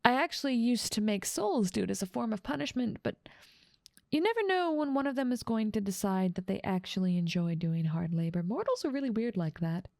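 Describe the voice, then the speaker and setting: Woman playing a creaky, teasing demon queen. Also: medium pitch, sing-song, brisk, a little mellow, no echo, clean studio sound. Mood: sly, casual. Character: dominant, teasing female demon ruler of hell. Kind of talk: ASMR roleplay audio drama.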